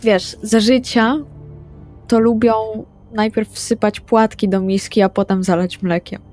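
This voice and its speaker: A woman's voice: medium pitch, steady tone, measured pace, a little mellow, faint music behind, lightly acted. A woman playing an anxious, literal-minded young female vampire in an improvised tabletop roleplay, speaking plainly and hesitantly. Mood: matter-of-fact.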